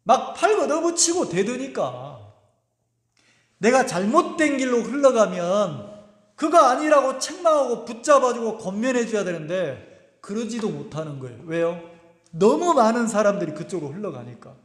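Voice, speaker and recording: High, lively-voiced male pastor preaching. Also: moderate pace. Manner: emphatic, asks the congregation rhetorical questions. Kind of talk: sermon. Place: church sanctuary. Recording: echoey church hall with long reverb.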